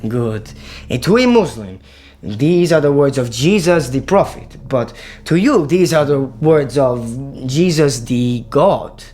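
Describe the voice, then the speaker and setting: An actor playing an earnest young Muslim prince in a radio drama, speaking carefully and full of questions. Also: male voice, mid-range voice, lively intonation, unhurried, a little mellow, lightly acted. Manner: careful, questioning, foreign-learner phrasing. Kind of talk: radio historical drama acting.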